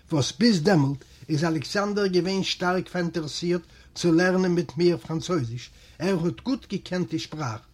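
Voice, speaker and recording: A man from Eastern Europe reading a literary memoir aloud as an audiobook narrator, in a measured, steady voice. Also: on the high side, breathy edge. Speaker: audiobook reader.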